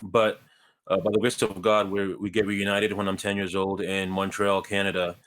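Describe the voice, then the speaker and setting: Deep voiced guy from ghana, calm and earnest, cracks a joke at himself now and then. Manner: measured and earnest, with light self-deprecating humor. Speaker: guest. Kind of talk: telling his life story in a conversation.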